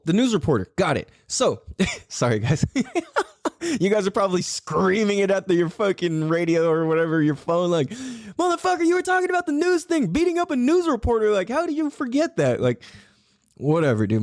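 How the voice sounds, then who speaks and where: A man's voice: mid-range voice, a little mellow, no echo, clean studio sound. A young adult man hosting a podcast, telling a rambling, profane story in a casual solo style. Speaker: podcast host.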